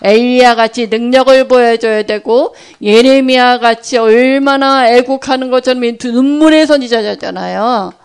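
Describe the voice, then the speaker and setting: A middle-aged woman preaches in a chatty, storytelling way to a congregation. Her voice sits fairly high and comes through smooth and clear. She often acts out bits of conversation as she talks. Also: fairly even intonation, normal speed, few pauses. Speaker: church speaker sharing testimony. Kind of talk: conversational sermon with personal story.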